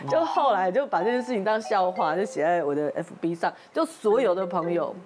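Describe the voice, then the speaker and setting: Lively woman telling a story fast. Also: medium pitch, background noise. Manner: lively, animated retelling with quoted dialogue. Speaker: guest. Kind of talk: storytelling on a talk show. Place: TV studio.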